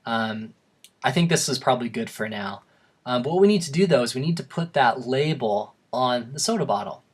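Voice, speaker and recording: A young man talks through a design tutorial in a loose, chatty way, tossing in joking asides. His voice is worn and slightly hoarse from too many takes. It sits at an ordinary middle pitch. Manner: casual, rambling, self-deprecating asides. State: voice going hoarse from repeated takes. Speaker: software tutorial host. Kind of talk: screen-recorded tutorial narration.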